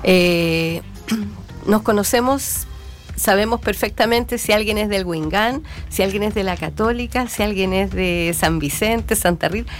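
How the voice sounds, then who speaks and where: A woman's voice: mid-range voice, a little slow, faint music behind. Thoughtful woman, folklorist guest. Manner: thoughtful, clears throat often. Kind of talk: casual interview talk.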